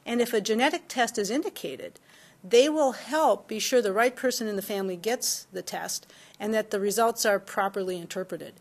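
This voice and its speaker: A woman's voice: mid-range voice, moderate pace. A woman speaks as a talk-show guest, explaining things in an informative way. She uses hesitant fillers along the way. Her voice sits in the middle range. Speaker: guest, genetic counselor.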